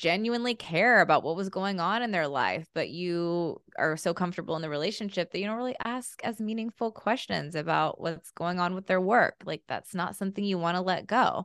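With a normal speaking voice and an American accent, a woman talks at medium pitch with hardly any pauses against a quiet background. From US South, Southeast Tennessee. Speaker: sex therapist. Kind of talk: interview.

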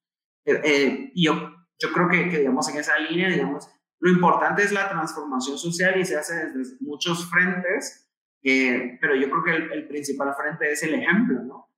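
A man speaks at a moderate pace in a fairly high pitch, with ordinary pitch variation. Room echo is audible. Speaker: LGBT rights activist and journalist. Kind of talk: panel discussion.

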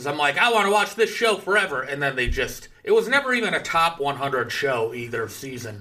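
A man's fairly high, fairly quick voice with very wide pitch swings and hardly any pauses. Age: 30s. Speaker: comedian. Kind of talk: casual chat. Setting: video call.

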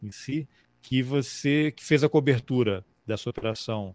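Heard in a dry, close sound with no echo, a man has an unremarkable speaking voice at a medium pitch with ordinary pitch variation. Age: 50s. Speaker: podcast host. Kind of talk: interview.

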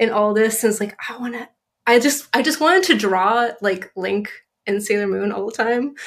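With a Californian accent, a woman speaks at a fairly high pitch. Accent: Californian American. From Southern California. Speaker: illustrator and graphic designer. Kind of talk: casual chat.

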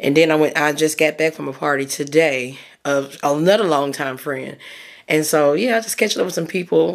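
A woman talks at a fairly quick pace. Her very deep, low pitch carries ordinary pitch variation. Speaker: podcast host and mindset coach. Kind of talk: solo podcast monologue. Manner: casual, candid.

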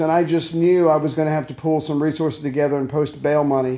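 Through noticeable background noise, a man rattles off words at a very fast pace with fairly high pitch and monotone, flat intonation. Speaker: podcast co-host. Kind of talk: casual chat. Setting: hotel room.

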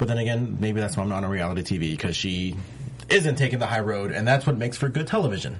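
Noticeable background noise sits under a man's fairly low voice. He speaks at a very fast pace with lively intonation. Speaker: podcast host. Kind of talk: casual after-show chat.

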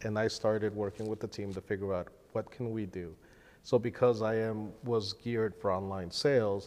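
A man with an American accent and a fairly low pitch talks at a moderate pace in a plain, everyday voice. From US Northeast (Westchester, New York). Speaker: auction house watch specialist. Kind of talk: casual chat. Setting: live at an auction house.

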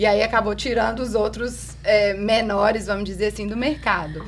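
Woman with a slight Minas Gerais accent at a moderate pace, with audible room echo. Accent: faint Minas Gerais Brazilian. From Brazil, Minas Gerais. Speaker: journalist podcast host. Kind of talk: interview.

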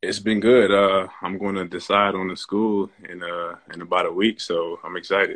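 Hardly pausing, a man talks at a moderate pace with a fairly low pitch. His intonation is monotone and flat, while his loudness swings widely. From Nigeria. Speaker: basketball player and incoming physical therapy student. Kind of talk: interview storytelling.

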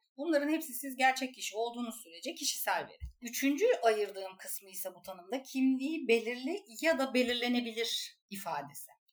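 Speaking at a moderate pace with hardly any pauses, a woman uses a high pitch, lively intonation and big swings in loudness. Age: 40s. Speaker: lawyer. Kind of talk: podcast interview.

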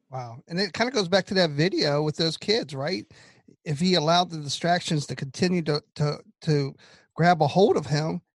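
A man talks at a fairly quick pace in an ordinary speaking voice, fairly high-pitched with ordinary variation. The sound is dry and close with no echo, over a quiet background. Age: 50s. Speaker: podcast co-host, barber. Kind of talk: casual chat.

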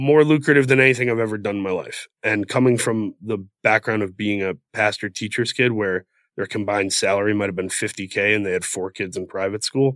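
A man talks at a fairly quick pace with an American accent, his pitch fairly low and ordinary in its variation. The sound is dry and close, with no echo. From US Midwest. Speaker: actor. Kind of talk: interview. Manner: self-deprecating and jokey; casual and informal.

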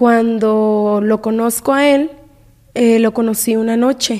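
A woman speaks at a very slow pace in a dark, mellow tone. Her intonation is fairly even. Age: 20s. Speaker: domestic violence survivor. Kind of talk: testimony. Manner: halting.

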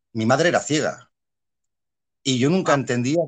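A man's fairly high-pitched voice with vocal fry against a quiet background. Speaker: actor. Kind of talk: casual chat.

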